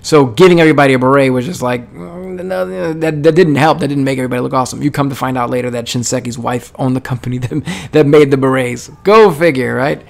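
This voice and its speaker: Gravelly man telling army stories. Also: medium pitch, fast, hardly any pauses. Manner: rambling, many fillers and restarts. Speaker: podcast host; army veteran. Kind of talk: casual storytelling monologue.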